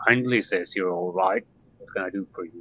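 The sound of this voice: Using a put-on character voice, a man talks at a moderate pace in a fairly low pitch.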